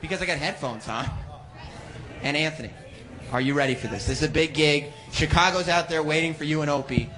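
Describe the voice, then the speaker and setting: A man working as a warm-up host on stage, bantering casually and teasing the people around him. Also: fairly high pitch, a little fast. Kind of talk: live crowd hosting, casual banter. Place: stage at a live event. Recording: live venue with crowd noise. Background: audience noise.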